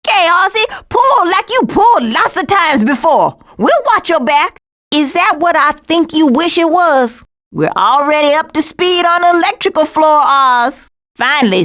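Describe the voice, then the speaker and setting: Casting: streetwise female skunk for animated game, American, sassy and punchy, high register, very lively intonation. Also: full character voice. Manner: sassy, slangy, emphatic delivery. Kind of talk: animated video game voice lines.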